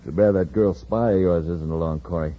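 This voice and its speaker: Man playing deep-voiced sneering henchman. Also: a little fast, close to an everyday voice. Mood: gloating. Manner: sneering, gloating. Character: male henchman villain, gruff and sneering. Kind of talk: 1950s radio drama acting. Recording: dull old radio recording with faint hiss.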